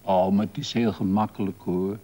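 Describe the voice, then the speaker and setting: A man's voice: low voice, fairly even intonation, moderate pace, warm tone. Wry older woman, as an old man reads her. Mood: coaxing. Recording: long reverb on old broadcast tape.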